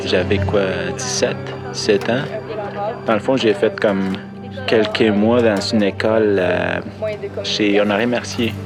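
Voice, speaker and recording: Man in his thirties, slightly low voice, casual talk, loud music behind. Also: fairly even intonation, unhurried, vocal fry. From Mexico. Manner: casual, with fillers such as "tu sais". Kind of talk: casual testimony.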